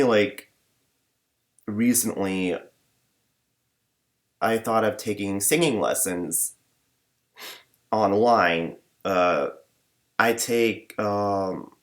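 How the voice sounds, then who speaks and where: A young man rambling in a personal vlog, talking in a flat monotone with many fillers and false starts. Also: fairly low pitch. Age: young adult. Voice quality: limited, flat range. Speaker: vlogger.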